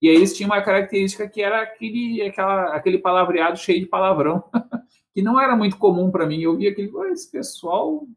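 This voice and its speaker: Speaking fast with a high-pitched, animated voice, this debate guest rambles and chuckles through a casual video call on his headset. He's a man in his fifties from southern Brazil with a Porto Alegre Brazilian Portuguese accent, and he often adds tag questions.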